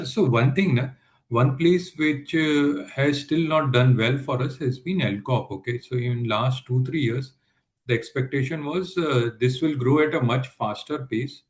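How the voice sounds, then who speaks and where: A man with an Indian accent, an investor putting a question in a halting way on a conference call. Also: mid-range voice.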